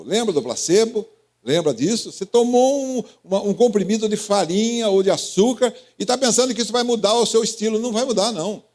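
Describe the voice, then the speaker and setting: A Brazilian man preaching as pastor, calling on congregation members by name with questions and teasing. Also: sits high. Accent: Brazilian Portuguese. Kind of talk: interactive sermon.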